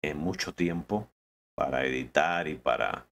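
A man's voice: very deep voice, unhurried, gravelly, a bit bright, slight background noise. A man, chatting casually while playing a truck game, often stumbling and repeating words. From Colombia. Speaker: gaming video host.

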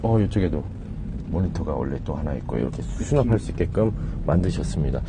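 A man's voice: rumbling low, lively intonation, brisk, noisy background. A man in his thirties giving a casual walkthrough of a camper, chatting with the owner and the viewers. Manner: chatty, asks many questions, addresses viewers. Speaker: vlog host touring a camper. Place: inside a small wooden camper.

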